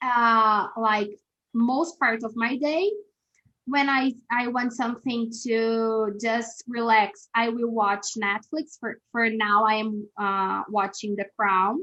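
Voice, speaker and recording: Very slowly and with fairly even intonation, a woman with a Brazilian Portuguese accent speaks in a bright, sharp tone. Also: fairly high pitch for a woman. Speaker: behavior analysis teacher, interviewer. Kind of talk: casual interview chat. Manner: slower, effortful in English; halting, with repetitions.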